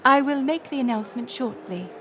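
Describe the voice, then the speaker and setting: A woman playing a gracious, resolute middle-aged queen in an audio roleplay, speaking in formal, stately, measured phrases. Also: high-pitched, sharp tone, slight background noise. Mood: kindly, commanding. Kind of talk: scripted audio roleplay acting.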